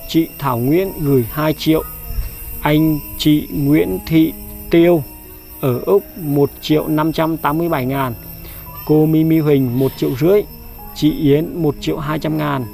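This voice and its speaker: A man hosting a vlog, briskly reading out a list of donors and coaxing and reassuring the person he is helping. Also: a little high, steady tone, vocal fry, dark tone. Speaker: vlog host handing out charity money. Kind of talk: reading a donor list, then casual talk. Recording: light background music.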